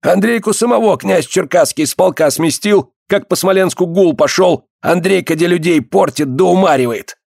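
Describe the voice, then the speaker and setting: A man playing a hoarse one-eyed peasant, gravelly, high-pitched, pleading and spiteful, audiobook. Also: normal speed, few pauses, darkish tone, dry recording, studio quality. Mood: accusing. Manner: pleading, accusing.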